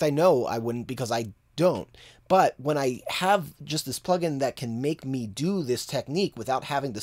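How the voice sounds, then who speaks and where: A man in his thirties giving a casual tutorial on mixing from a home studio, thinking aloud as he works. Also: on the high side. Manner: relaxed, thinking aloud with fillers. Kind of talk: casual screen-share tutorial.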